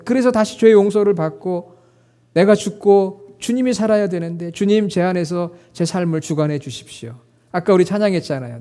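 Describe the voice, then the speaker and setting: A middle-aged man preaches with a high-pitched but dark, warm tone. He speaks earnestly, rising into emotional quoted prayers and then settling into soft, intimate asides to the congregation. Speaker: pastor. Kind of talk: sermon.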